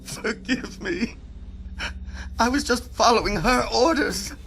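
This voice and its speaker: An actor playing an older, guilt-ridden father in a horror game, with a creaky voice and halting, anguished, slow delivery. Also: very high voice, a bit bright, a little hiss or hum, exaggerated voice, poor audio. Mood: broken, confessing. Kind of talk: dramatic horror game acting. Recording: music under the voice.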